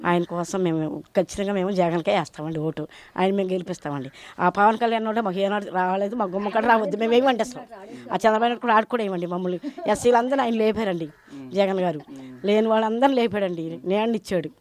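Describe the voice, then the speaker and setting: A woman's voice: medium pitch, fast, a little mellow. A woman interviewed on the street, earnestly listing things one by one. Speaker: interviewed voter.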